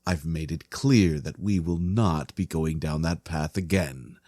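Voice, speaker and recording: Weary monarch for fantasy audio drama, male actor: slow, firm, dismissive courtly speech in a very dry recording. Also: very deep voice, mellow, no echo. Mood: weary, exasperated.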